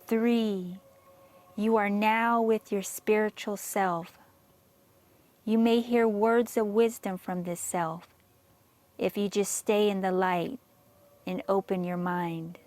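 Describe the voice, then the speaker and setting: A woman reading a scripted guided meditation in a measured, soothing manner with long pauses. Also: medium pitch, fairly even intonation, a little mellow.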